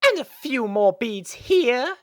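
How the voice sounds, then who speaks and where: A woman's voice: a little high, big pitch swings, slow pace, no echo, studio quality, voice pushed up. A woman voicing a refined female pony dressmaker in a storybook reading, fussy and gracious, with an affected, formal, dramatic manner. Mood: fussy musing.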